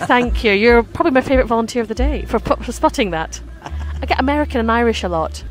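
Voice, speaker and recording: Over music in the background, a woman speaks at a very fast pace with a Scottish accent. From Scotland. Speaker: community radio presenter. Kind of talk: casual interview. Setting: outdoors at a festival.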